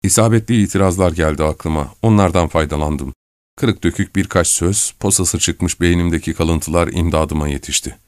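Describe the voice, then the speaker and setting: Low-voiced male audiobook narrator. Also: a little mellow, no room sound, studio quality. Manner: measured, introspective. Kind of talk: scripted literary narration.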